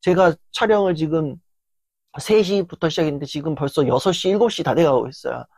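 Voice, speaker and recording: A lecturer giving a motivational talk while filming, their voice worn down after hours of recording, speaking earnestly and acting out inner voices in sudden loud bursts. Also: medium pitch, fairly quick, no room sound. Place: filming session.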